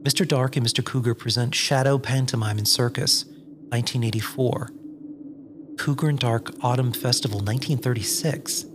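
Man playing a wary wasteland survivor, mid-pitched. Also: steady tone, normal speed, background noise, close to an everyday voice. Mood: hushed, grave. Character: wary, exasperated, foul-mouthed male wasteland survivor. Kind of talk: dark comedy audio drama acting. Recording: music under the voice.

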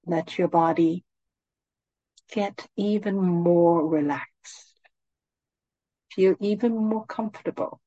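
Slow, calm woman guiding meditation. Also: fairly low pitch, no room sound, muffled recording. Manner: calm, soothing, gently instructing. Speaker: meditation guide, host. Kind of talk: guided meditation.

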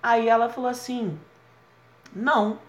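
A young man telling a funny story in casual podcast chat, animated, often laughing and acting out other people's voices. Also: extremely high pitch, a little slow. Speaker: podcast co-host. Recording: roomy echo.

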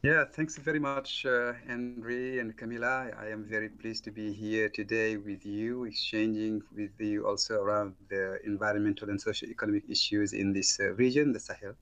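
Gravelly, hesitant man from Senegal. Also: fairly low pitch, steady tone, fairly bright tone, muffled recording. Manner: slow, hesitant, many fillers. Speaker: professor and former mayor. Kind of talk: interview answers over a call.

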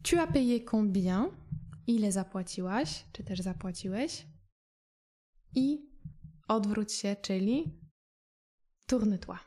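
In a recorded lesson, a female French teacher explains phrases patiently and clearly, slowing for her foreign examples. Her mellow voice is medium in pitch with lively intonation.

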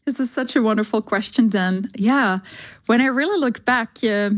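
A woman in her thirties from Slovakia with a Slovak accent, answering interview questions in an earnest, measured way with frequent fillers. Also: fairly high pitch. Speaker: guest, sustainability consultancy founder.

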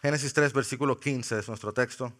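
A man preaching a sermon in a church, playful and joking with the congregation, slowing down to stress key words. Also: medium pitch, fairly bright tone. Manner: slows for emphasis on key words. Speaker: pastor. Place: church sanctuary.

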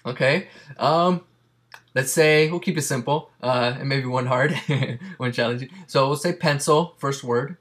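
A man hosts a relaxed interview, rambling a little with lots of fillers and restarts. His first language is Spanish, and his voice sits at an ordinary middle pitch. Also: measured pace. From Mexican family. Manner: chatty, many fillers and restarts. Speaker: podcast host. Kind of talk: casual interview.

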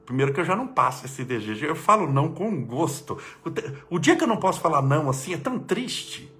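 A man, an energetic spiritual leader giving an emphatic inspirational talk and leading prayer. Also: fairly high pitch, quick pace.

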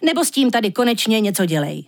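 A woman's voice: medium pitch, sing-song, dry recording, clean studio sound. A woman voicing a grouchy, plain-spoken man who complains bluntly.

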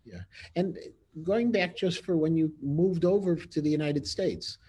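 A man interviewing a rabbi, asking measured, probing questions. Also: a little high, warm tone, husky.

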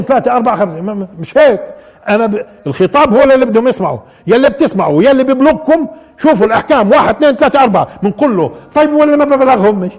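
A man's voice: high-pitched, darkish tone, husky. A man giving a live religious commentary lesson, repeating key phrases and putting rhetorical questions to his listeners. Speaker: religious teacher.

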